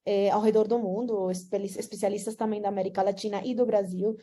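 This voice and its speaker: A woman's voice: medium pitch, steady tone, brisk, warm tone. A woman from Venezuela with a Venezuelan Spanish accent, speaking Portuguese as a guest speaker on a video call, often hesitating and restarting. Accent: Venezuelan Spanish, with some Portuguese mixed in. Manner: frequent hesitations and restarts, friendly, mixes in Spanish. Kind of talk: online talk with slides.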